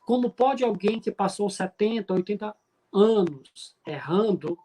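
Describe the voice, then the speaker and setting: A middle-aged man from Pará, Brazil, with a regional accent, giving an emphatic, preacher-like spiritist talk with frequent filler pauses. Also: high-pitched, animated, mellow, poor audio. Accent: Brazilian Portuguese from Pará. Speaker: spiritist speaker.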